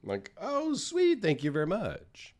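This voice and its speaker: Tired, slightly raspy casual man. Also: sits high, wildly swooping pitch, unhurried, darkish tone. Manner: rambling, self-deprecating, chatty. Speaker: knife channel host. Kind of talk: casual solo vlog.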